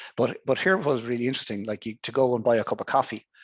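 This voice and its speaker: Someone talks at a very fast pace in a Dublin accent. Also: man, quiet background. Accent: Irish (Dublin). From Ireland, Dublin. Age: 50s. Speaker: entrepreneur and motivational coach. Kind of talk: podcast interview. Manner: halting, with repetitions.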